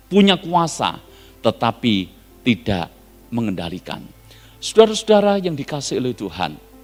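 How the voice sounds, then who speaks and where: A man preaching a sermon as pastor, animated and questioning the congregation directly. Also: mid-range voice. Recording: reverberant hall with faint music.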